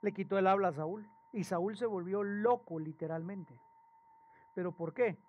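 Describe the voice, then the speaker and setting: A male pastor, preaching a sermon in a lively storytelling way and asking the congregation questions. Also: high voice, normal speed, highs cut off. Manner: animated storytelling with acted quotes and questions to the congregation.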